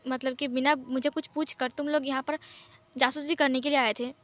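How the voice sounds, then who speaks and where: A woman's voice: sits high, little pitch movement, normal speed, a bit bright, highs cut off. Woman reading as a stern young master giving orders. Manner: firm, clipped orders. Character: stern young male master, calm and commanding.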